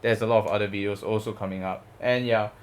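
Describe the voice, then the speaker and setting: A man's voice: fairly low pitch, fairly even intonation, quick pace. A man with a Singaporean, Southeast Asian accent, giving a casual, rambling, informal vlog-style review and often ending phrases with "lah". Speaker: video host, model bus collector. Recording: clear background noise.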